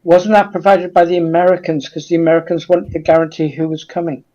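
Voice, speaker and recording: A man's voice: a little high, level tone, fast talker, dark tone. A man speaking as a guest researcher in a casual, unscripted discussion, over dull call audio.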